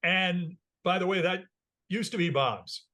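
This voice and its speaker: A man hosting a car podcast in a studio, chatty and enthusiastic, with loud intro announcements. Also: high-pitched, a little slow. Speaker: podcast host. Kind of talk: casual talk show hosting.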